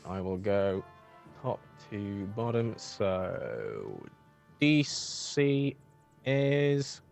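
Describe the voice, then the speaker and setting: A man acting as dungeon master, calmly narrating a tabletop game and talking through rolls and moves. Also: fairly low pitch, drawn-out words, vocal fry, faint music behind.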